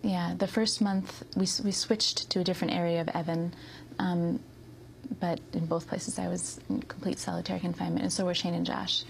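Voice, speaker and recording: Soft-spoken gravelly woman. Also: lowish voice, little pitch movement, a little fast, slight background noise. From United States. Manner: hesitant, with many ums and soft laughs. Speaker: interview guest. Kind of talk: soft-spoken interview answers.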